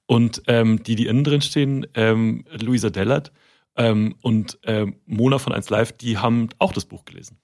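A man, a guest author in a casual interview, talking in halting restarts with self-deprecating humor. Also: mid-range voice, a little mellow.

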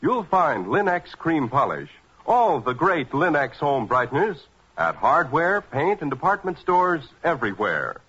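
A muffled vintage radio recording of an American male announcer. His voice is slightly high and husky. He sells with polished emphasis in the classic 1940s commercial manner. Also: very animated, measured pace, fairly bright tone.

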